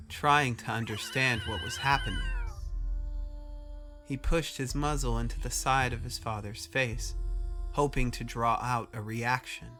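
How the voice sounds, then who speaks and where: A man reading a dramatic scripted story as narrator, in a measured, solemn manner. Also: mid-range voice, a bit bright. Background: music under the voice.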